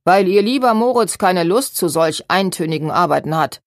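A woman's voice: fairly low pitch, expressive, moderate pace, dry recording, clean studio sound. A woman reading a sly, mocking seamstress. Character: spiteful seamstress with a sharp tongue.

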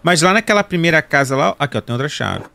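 A Brazilian gaming host in his thirties with a Carioca accent from Rio de Janeiro jokes and chats with viewers in slangy commentary while he plays. His slightly high voice is fast, creaky, pushed and bright, with big pitch swings and no echo.

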